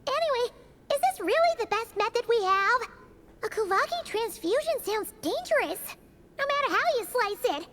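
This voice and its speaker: Squeaky, excitable little fairy girl. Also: moderate pace, full character voice. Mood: worried. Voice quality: squeaky, childlike. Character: small cheerful fairy-like girl companion, impatient and excitable. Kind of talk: anime game voice acting. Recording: game music playing behind.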